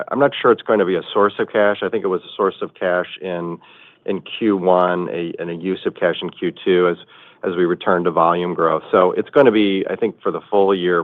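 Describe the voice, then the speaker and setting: A man working as a finance chief, answering earnings call questions in a halting way, often rephrasing. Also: low-pitched. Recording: muffled narrowband conference phone line.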